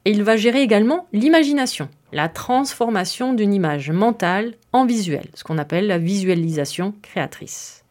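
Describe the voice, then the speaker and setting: A woman's voice: medium pitch, lively intonation, moderate pace, few pauses, darkish tone. A woman hosting a podcast, explaining her topic in a chatty, casual way with fillers and little asides. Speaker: podcast host.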